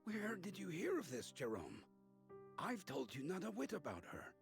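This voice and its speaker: An actor playing an old villager in a fantasy game, with deliberate, old-fashioned storytelling speech, recalling the past. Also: male voice, high voice, huge pitch swings, vocal fry, exaggerated voice. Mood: guarded, solemn. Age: older. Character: old Rosellan villager recalling a long-ago revolt. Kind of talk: scripted fantasy game voice acting. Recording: game music behind the voice.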